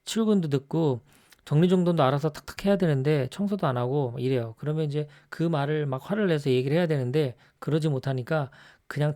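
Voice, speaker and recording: Conversational man giving a lecture. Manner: conversational, checks in with the listener often with a rising tag; acts out scolding examples in a louder, higher voice. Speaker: lecturer on personality types. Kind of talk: explanatory lecture.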